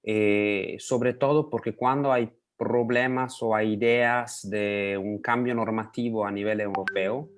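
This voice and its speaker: A man from Italy with an Italian accent, speaking Spanish as a second language in a video call interview, pausing often with fillers. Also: fairly low pitch, steady tone. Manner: hesitant, many pauses and fillers. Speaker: interview guest, lobbying association head.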